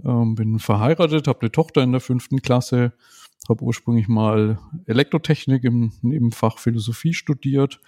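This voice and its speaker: A man in his forties, a podcast guest, talking in a thoughtful, measured way and often ending remarks with a questioning tag. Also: medium pitch, warm tone. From Germany. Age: 40s. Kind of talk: casual conversational interview.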